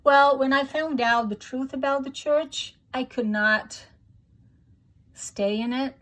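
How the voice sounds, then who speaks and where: A woman's voice: high-pitched, slow pace, a bit bright. A middle-aged Brazilian woman with a Brazilian Portuguese accent, a native Portuguese speaker talking earnestly to camera in English, with hesitant restarts. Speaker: YouTuber.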